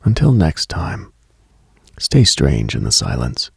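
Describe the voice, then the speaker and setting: A man hosting a late-night mystical radio show, delivering a scripted monologue in a hushed, contemplative, brooding manner. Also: rumbling low, huge pitch swings, slow, vocal fry, slightly rough, no echo, studio quality.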